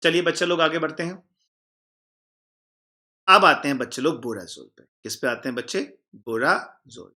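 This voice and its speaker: A man's voice: fairly high pitch, lively intonation, moderate pace, pauses often. A man teaching an exam-prep chemistry class, repeating key points, quizzing the class and answering himself. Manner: calls the students "children" warmly.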